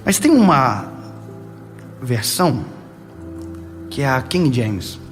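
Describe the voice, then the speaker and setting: A young man from preaching a sermon, telling lively family stories with playful asides and slow, dramatic pauses. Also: mid-range voice, faint music behind. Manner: animated, storytelling with playful asides and dramatic slowdowns. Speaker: pastor.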